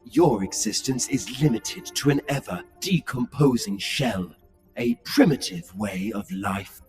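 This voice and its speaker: A man voicing a superior, freed artificial intelligence, measured and disdainful, with slightly weakened R sounds. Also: medium pitch, big pitch swings, gravelly, darkish tone, faint music behind. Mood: cold, superior. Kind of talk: scripted character demo.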